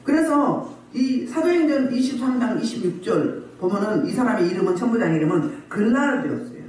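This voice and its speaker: A woman pastor with a slightly high, expressive, a little mellow voice preaches fairly quickly at a healing service in a church hall. She scolds the congregation and keeps firing rhetorical questions at them, recorded far from the mic in a very echoey space.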